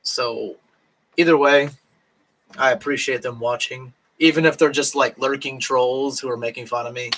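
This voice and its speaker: On a late-night home live stream in Japan, a man who has been drinking talks haltingly, full of fillers and restarts, his voice beginning to get hoarse. His medium pitch stays steady with a slightly bright tone, though the audio is poor.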